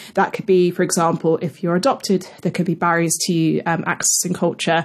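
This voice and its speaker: A woman speaks with a British accent. Her pitch sits in the medium range. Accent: received pronunciation British. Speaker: science communicator. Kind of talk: casual interview chat.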